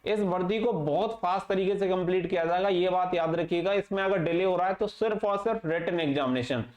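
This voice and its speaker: High-pitched man in echoey room. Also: a little fast, darkish tone. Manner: direct address, mixing in English terms. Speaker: exam-update channel host. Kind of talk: informal explainer addressed to exam candidates. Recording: echoey room, slightly muffled sound.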